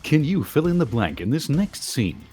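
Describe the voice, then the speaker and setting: A man's voice: a little high, very animated, normal speed, darkish tone, faint music behind. A man who works as a voice actor, chatting casually in a group interview. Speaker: voice actor, podcast cast member.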